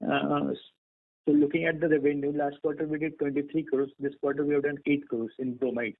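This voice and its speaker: Male analyst, fast delivery and slightly high voice, questioning company management by phone. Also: little pitch movement, vocal fry. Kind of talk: earnings call questioning. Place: conference call over a phone line. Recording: tinny phone line.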